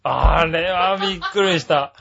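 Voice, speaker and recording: A man's voice: on the high side, unhurried, creaky, crowd noise. A man co-hosting a casual two-man talk show, reading out listener messages and firing back blunt, disbelieving retorts. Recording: dull, band-limited sound.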